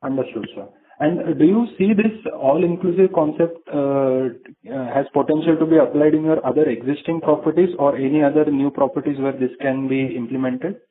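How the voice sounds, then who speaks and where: Halting male analyst on a phone line. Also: a little high. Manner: halting, deferential. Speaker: financial analyst. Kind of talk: polite questioning on an earnings call. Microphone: phone call. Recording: narrow tinny phone line.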